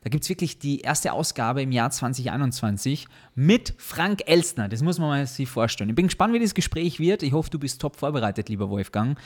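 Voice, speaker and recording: A man's voice: mid-range voice, sing-song, brisk, few pauses. A man co-hosting a podcast, upbeat and talking straight to his listeners. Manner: upbeat, addresses listeners directly. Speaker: podcast co-host. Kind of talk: casual podcast chat.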